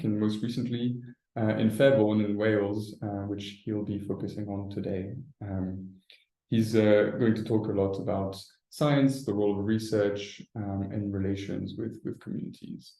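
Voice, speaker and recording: A man's voice: lowish voice, fairly even intonation, moderate pace, dark tone. Man moderating a video call, lots of uhs. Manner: filler-heavy, many uh and um. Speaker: webinar moderator. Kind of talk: hesitant spoken introduction on a video call. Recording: echoey room on a video call.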